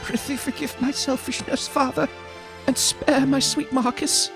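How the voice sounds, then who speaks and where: A man's voice: extremely high pitch, level tone, measured pace, vocal fry, over music, voice pushed up, heavily acted. A man voicing a lovelorn young princess, tender and defiant, in melodramatic archaic stage style for a fantasy game. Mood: pleading.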